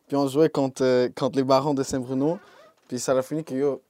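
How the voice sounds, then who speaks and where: A young rapper from Quebec, Canada, gives a casual interview in a Québécois French accent, laid-back and unhurried, dropping English slang like "yo" and "bro." His medium-pitched voice is mellow and warm with a level tone, recorded close and dry with no room sound.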